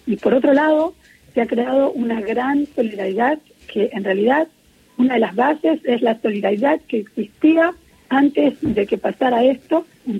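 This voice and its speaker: A middle-aged woman with an Argentine Spanish accent speaks in an earnest, measured way, pausing often to find her words. Her voice sits a little high but comes through very husky and gravelly. She is heard on a muffled, lo-fi phone line. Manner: earnest, measured, many hesitations. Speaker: interviewee, peace activist. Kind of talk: phone interview on radio. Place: at home in Israel.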